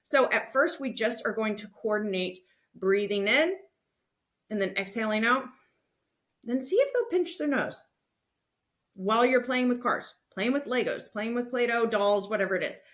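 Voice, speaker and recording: High-voiced woman hosting a podcast. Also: animated, moderate pace, a bit bright. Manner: conversational, instructive, reassuring. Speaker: podcast host. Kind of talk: explanatory podcast talk addressed to parents.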